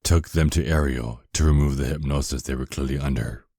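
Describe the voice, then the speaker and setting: Very low-voiced, haughty male archangel accuser, played by a male actor. Stern, formal, dismissive, closely recorded and dry. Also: steady tone, a little fast, creaky, warm tone, breathy edge, no echo, heavily acted. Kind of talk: dramatic audio roleplay acting.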